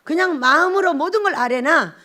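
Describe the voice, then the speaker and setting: A woman's voice: very high-pitched, animated, moderate pace, pushed and bright. A woman pastor giving a blunt, scolding sermon and acting out little scenes as she preaches.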